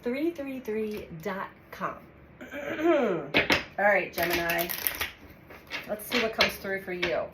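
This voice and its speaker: A woman with a slightly stuffy, cold-affected voice gives a calm, measured tarot reading. She speaks in the middle of her range and pauses as she lays out cards. The sound is roomy, with steady background noise. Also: medium pitch. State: congested from a cold. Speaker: tarot reader. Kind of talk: weekly astrology tarot reading. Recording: echoey room with audible background noise.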